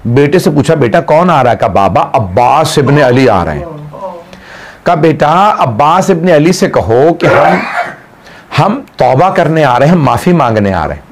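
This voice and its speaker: A man's voice: fairly high pitch, big pitch swings, normal speed, crowd noise. A man recounting a Muharram martyrdom story as a dramatic mourning sermon, building into a wailing chant. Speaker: religious orator. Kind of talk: Muharram majlis narration.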